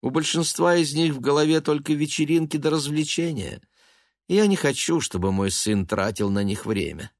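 Male reader doing a fussy self-pitying older mother, pitched up, dry close sound. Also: normal speed, no room sound, natural voice. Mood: dismissive. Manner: raised pitch, fussy and plaintive. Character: aging mother, stubborn, self-pitying landlady. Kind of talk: audiobook character voice.

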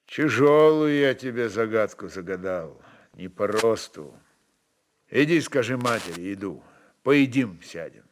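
A man's voice: on the low side, animated, a little slow, a little hiss or hum. A man voicing a brooding, blunt Cossack chieftain, a father, who muses in plain folksy dialect. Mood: brooding, tender.

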